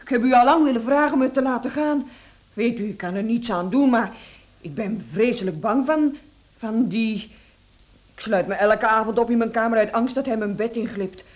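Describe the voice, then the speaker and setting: A woman's voice: on the high side, moderate pace, lightly acted. A frightened, servile young housemaid acted by a woman. She speaks earnestly and deferentially, pleading with her employers in a radio drama. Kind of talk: radio play acting.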